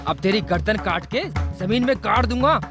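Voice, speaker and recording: A man dubbing the bride's brother in a Hindi film dub, talking loudly and forcefully. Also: high voice, animated, normal speed, over music. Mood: emphatic. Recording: film dub with loud background score.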